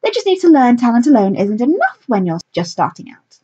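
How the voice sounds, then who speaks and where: A woman's voice: on the high side, very animated, a little fast, darkish tone, slightly rough, muffled recording, voice pushed up. A woman voicing a grand, theatrical stage director who calls everyone darling, in a storybook reading.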